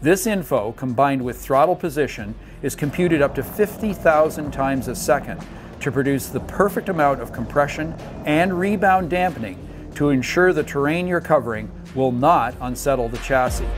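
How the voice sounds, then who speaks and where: A man's voice: medium pitch, expressive, moderate pace, over music. A man in his sixties hosting a show, reading a scripted product rundown with upbeat enthusiasm. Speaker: show host. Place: indoor studio set.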